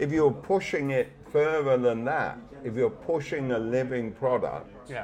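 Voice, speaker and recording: Speaking fairly slowly with a London accent, a man uses a medium pitch and ordinary pitch variation over noticeable background noise. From London, England. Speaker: bar owner. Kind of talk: interview. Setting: in a bar.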